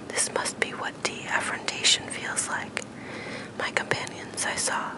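Someone is whispering at a fairly slow pace. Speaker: reader. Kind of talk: whispered reading aloud for relaxation. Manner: soft-spoken, hushed whisper; slow, calm, dreamy pace. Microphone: phone near.

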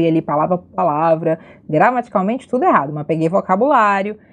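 A woman speaking at a fairly quick pace. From Brazil. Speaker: YouTuber. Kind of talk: casual vlog. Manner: informal. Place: home room. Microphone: lapel.

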